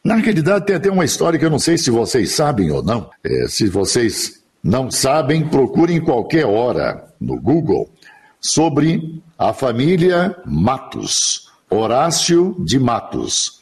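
An older man from the interior of São Paulo, a radio announcer telling his life story in a relaxed, chatty interview over a remote link. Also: mid-range voice, a little slow, slightly rough. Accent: Brazilian Portuguese, São Paulo interior. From interior of São Paulo state, Brazil. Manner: chatty, laughs easily, rambling anecdotes. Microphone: remote online recording.

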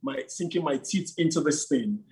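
A man's voice: a little high, moderate pace, slightly rough. A man who leads a church, talking about his early years in an interview with lots of fillers. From Nigeria. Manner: animated storytelling with frequent fillers. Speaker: church leader. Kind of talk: casual interview talk.

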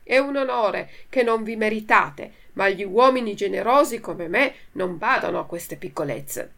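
Woman reading a loud boastful farmer. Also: medium pitch, lively intonation, normal speed, creaky. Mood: pleased. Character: boastful grown man, a country farmer.

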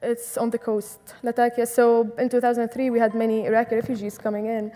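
A woman's voice: a little high, flat delivery, brisk, mellow, slight background noise. A young woman from Syria, speaking earnestly and with passion as an interview guest. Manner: earnest and impassioned. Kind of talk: conversational interview.

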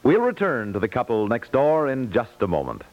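A man's voice: mid-range voice, wildly swooping pitch, normal speed. A man announcing in the scripted style of 1950s network radio. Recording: muffled 1950s radio recording over loud music.

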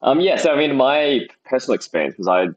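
A man's voice: medium pitch, very animated, fast, muffled recording. A man with an Australian accent, a startup founder telling his own story in a podcast interview. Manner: conversational, storytelling. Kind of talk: casual interview answers.

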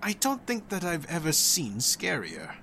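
A man's voice: a little high, wildly swooping pitch, a little slow, creaky, slight background noise, heavily acted. A man voicing a friendly, easygoing senior researcher in a spoken story. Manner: easygoing, warm and playful.

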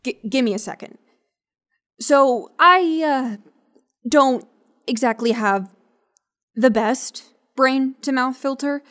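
A woman's voice: high-pitched, slow, long pauses, a bit bright. An actress playing a flippant, awkward woman scientist in an audio drama, with a casual, slangy, blurting manner. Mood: awkward, apologetic. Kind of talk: naturalistic audio drama acting.

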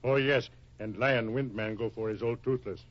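An actor playing a stoic, laconic ranch sidekick who talks in clipped broken English in a 1950s radio Western. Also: male voice, mid-range voice, fairly even intonation, moderate pace, lightly acted. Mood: puzzled. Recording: dull lo-fi old radio recording.

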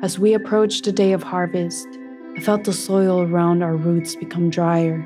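A woman voicing an earnest young maize plant reborn as a human, narrating a first-person story in a deliberate, emotive way. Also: lowish voice, level tone, lightly acted. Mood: weary, wistful. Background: music.

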